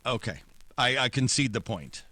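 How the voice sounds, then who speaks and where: An actor playing a hard-boiled private detective in a 1940s-style radio drama, terse, wry and world-weary. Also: male voice, mid-range voice, sing-song, normal speed, sharp tone, no echo. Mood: skeptical, wry. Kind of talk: 1940s noir radio drama narration and dialogue.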